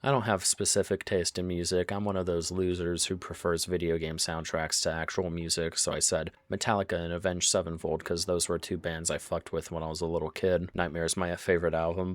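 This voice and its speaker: A young man with a cold and a low-pitched voice, recorded dry, tells a crude, sarcastic story about his old job. He swears often, narrating casually in storytime fashion.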